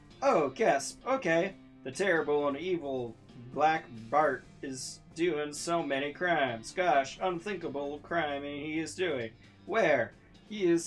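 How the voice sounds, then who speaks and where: Using a put-on character voice, a man talks at a fairly slow pace in a fairly high pitch. Clear music plays in the background. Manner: gleeful, mock-evil, overdramatic.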